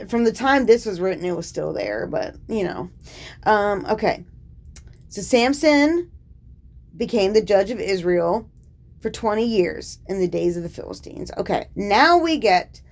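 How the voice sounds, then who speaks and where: A woman's voice: mid-range voice, a little mellow. A young woman hosting a casual scripture commentary, chatty and sarcastic, filling her talk with "like.". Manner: chatty and sarcastic, heavy use of "like". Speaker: host.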